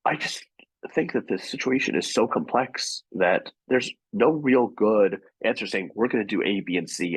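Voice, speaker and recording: A man answering questions over a video call in a measured, thoughtful way, often restarting his sentences. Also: low-pitched, breathy edge, no echo, rough recording. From United States. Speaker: guest journalist. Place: home.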